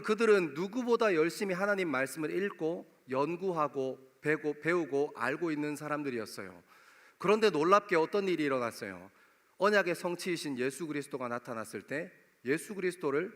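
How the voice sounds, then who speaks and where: Young male pastor, regional Korean dialect, slightly high voice, casual sermon delivery in a reverberant church hall. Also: animated, fairly quick, fairly bright tone. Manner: conversational, jokes with the congregation. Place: church sanctuary.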